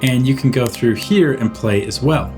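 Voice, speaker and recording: A man narrating a software tutorial in an informal, step-by-step way, as the host. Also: mid-range voice, normal speed, music in the background. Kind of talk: casual screen-recorded software tutorial narration.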